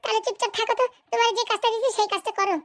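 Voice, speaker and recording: A woman's voice: very high voice, steady tone, very fast, a bit bright. A woman voicing a pert, insistent young married granddaughter in a comic cartoon. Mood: bossy, impatient.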